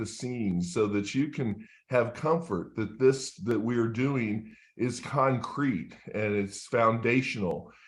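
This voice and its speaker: Audible room echo surrounds a man speaking at medium pitch and a fairly slow pace with ordinary pitch variation. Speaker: attorney leading a business opportunity call. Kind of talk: weekly company update call. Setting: broadcast conference call with simultaneous translation.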